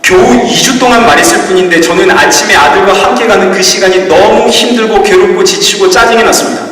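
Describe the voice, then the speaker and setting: A man's voice: sits high, brisk, fairly bright tone. A middle-aged man preaching a sermon as a pastor, telling a personal story in a confessional way. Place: church sanctuary. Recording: echoey hall, distant mic.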